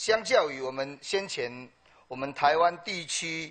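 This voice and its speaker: A fairly high-voiced man with a Taiwanese accent, lively intonation and a very slow pace. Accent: Taiwanese Mandarin. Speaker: county councilor. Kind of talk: council questioning. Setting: council chamber. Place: hall.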